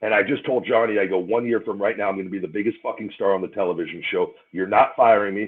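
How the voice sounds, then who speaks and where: A man's fairly low, intense voice at a very fast pace, with fairly even intonation and hardly any pauses. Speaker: former pro wrestler. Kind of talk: shoot interview, recounting his WWE release. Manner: intense, agitated, blunt.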